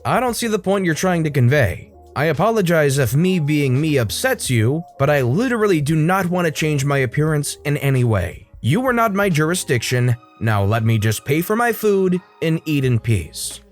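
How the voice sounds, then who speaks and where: A man's voice: fairly high pitch, big pitch swings, moderate pace, hardly any pauses, soft background music. A man voicing a young trans girl who speaks politely and formally but stands firm. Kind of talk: acted quotes in a read-aloud story.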